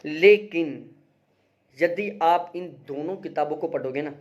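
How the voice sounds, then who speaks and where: Unhurried and a little mellow, with a voice on the high side, a young man runs through study books as an exam-prep teacher. The review is casual yet emphatic, and he repeats advice while often pausing for a "theek hai" check-in.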